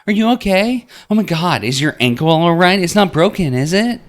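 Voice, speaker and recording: A man's voice: high voice, animated, normal speed, voice pushed up. A man voicing an anxious, doubting young woman on an adventure, asking worried questions in a visual novel read-aloud. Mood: panicked.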